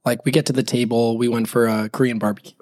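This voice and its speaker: A man chatting on a casual podcast with a hoarse, cracking voice. He tells his stories in a laid-back way, and his voice sits at an ordinary middle pitch for a man. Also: level tone, fast talker, a little mellow. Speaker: podcast co-host. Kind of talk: casual chat.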